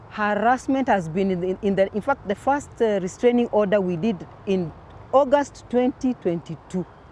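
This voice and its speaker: Dark and mellow in tone, this voice carries lively intonation at a moderate pace. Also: woman, medium pitch for a woman. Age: 60s. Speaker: retired civil servant complaining about harassment in a news interview. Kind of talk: interview answer. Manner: distressed, pleading.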